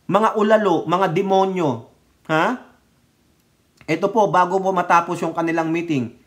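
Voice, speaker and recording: A man's voice: high voice, steady tone, measured pace. Emphatic Filipino man scolding on a vlog. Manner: emphatic, scolding, mixes Tagalog with English. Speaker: political vlogger. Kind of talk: political commentary vlog.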